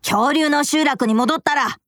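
A woman's voice: fairly high pitch, very animated, moderate pace, a bit bright, slight background noise. A woman voicing a brave, stern young male tyrannosaurus who talks in a tough, scolding, boyish way. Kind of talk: children's audio drama acting.

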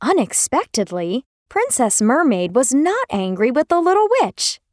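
A woman narrating a children's story in an expressive, exclamatory storytelling manner. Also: high-pitched, measured pace, no room sound, studio quality.

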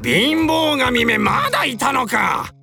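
A woman's voice: sits high, very animated, slow, creaky, faint music behind, exaggerated voice. An actress voicing a bossy, haughty old male god of fortune in a children's folktale. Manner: bossy, shouting, stammers when shocked.

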